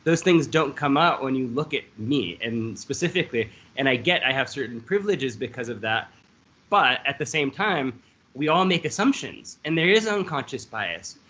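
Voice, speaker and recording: A man's voice: medium pitch, expressive, normal speed, bright, forceful tone. A man moderating a panel in an enthusiastic, conversational way, often checking in with "right?"; English is his second language. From Lebanese immigrant family. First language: not English. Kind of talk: casual panel discussion. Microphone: video call. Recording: muffled lo-fi video call audio.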